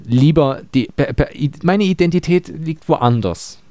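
A man's voice: on the high side, expressive, unhurried, warm tone, dry recording. A man in a casual book discussion, arguing his view as a podcast panelist.

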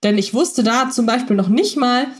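A woman's voice: fairly high pitch, moderate pace. A woman co-hosting a casual fan podcast, reflecting in long winding sentences full of fillers. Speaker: podcast co-host.

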